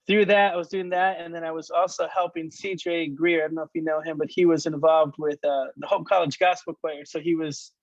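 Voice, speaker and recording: Higher-voiced man, chatty and halting. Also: fairly even intonation, no room sound, lo-fi sound. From Michigan, United States. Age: late 30s. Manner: halting, many restarts and fillers. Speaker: worship leader guest. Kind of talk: casual conversation.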